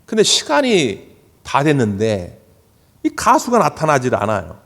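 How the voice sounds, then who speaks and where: A male pastor delivers a Sunday sermon in a church sanctuary, his medium-pitched voice gravelly and unhurried, with long church hall reverb on the recording. He tells stories animatedly and acts out the voices of the people in them.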